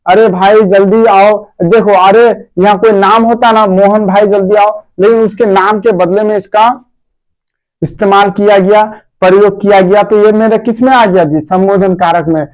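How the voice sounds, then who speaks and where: A man a high-pitched voice gives an informal grammar lesson. He speaks in a warm, fatherly and repetitive way, addressing his pupils as his dear children. He asks his own questions and then answers them. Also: fairly even intonation, moderate pace. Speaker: teacher.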